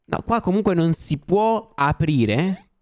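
A man doing let's play commentary on a horror game, jumpy and slangy, shouting when scared. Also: a little high, lively intonation, slow pace. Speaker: gaming YouTuber.

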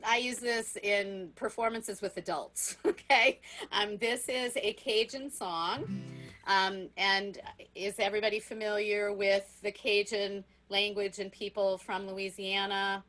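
Slow-talking woman leading a video-call workshop. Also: medium pitch, fairly even intonation, fairly bright tone, soft background music, low-quality recording. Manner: slow, chatty, laughs often, says okay a lot. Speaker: music workshop leader for teachers. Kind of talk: teaching songs on a video call, often singing.

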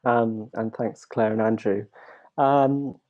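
A man's voice: on the low side, steady tone, slow, dull audio. A man in his thirties with a cold, giving an academic talk on a video call from home, hesitant with many fillers and restarts. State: has a cold, sniffling. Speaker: academic speaker. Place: home room at a wall hanging. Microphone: laptop video call.

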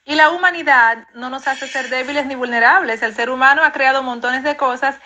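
A woman therapist answers interview questions about grief, explaining calmly and reassuringly. Her voice is high and bright, and she sets out her points in a steady, explanatory way. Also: fairly quick, lo-fi sound.

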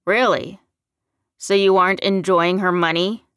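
A woman's voice: on the low side, fairly even intonation, measured pace, a bit bright, clear, resonant tone, no room sound, studio quality. Woman acting an angry, combative young man. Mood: taunting. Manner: combative, demanding, sarcastic. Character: angry, sick, accusing young man turned werewolf.

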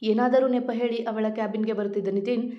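A woman storyteller narrating a romantic story in a gentle, expressive way. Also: a little high, brisk, dull audio.

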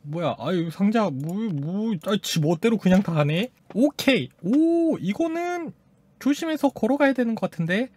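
A woman's voice: mid-range voice, lively intonation, normal speed, darkish tone. A woman casually commenting on a mobile game she is playing, cheering the robot on and voicing sound effects as she goes. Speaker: gaming YouTuber.

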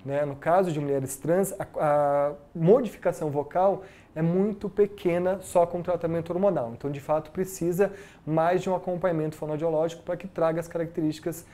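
A man's voice: a little high, steady tone, a little fast, warm tone. A man, a speech therapist, explaining his work in an interview and often ending with "né?". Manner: explanatory, frequent "né?" tags. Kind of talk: interview and exercise instruction.

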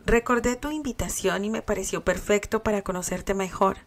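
A woman's voice: mid-range voice, a little fast, close to an everyday voice. A woman reading a fan story aloud and voicing a sweet, bashful, curious young girl. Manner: earnest, shy.

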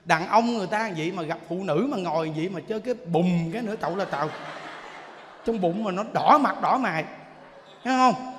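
Southern vietnamese monk cracking jokes in a dharma talk, really high voice, lots of laughing, big echoey hall. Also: male voice, fairly quick. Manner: animated storytelling, frequent laughter and exclamations. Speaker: Buddhist monk. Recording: reverberant hall, faint background noise.

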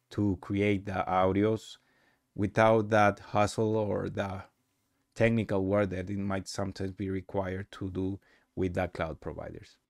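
Low-voiced man, halting tutorial narrator. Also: vocal fry, no echo, clean studio sound. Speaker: host demonstrating his software. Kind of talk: casual software tutorial narration.

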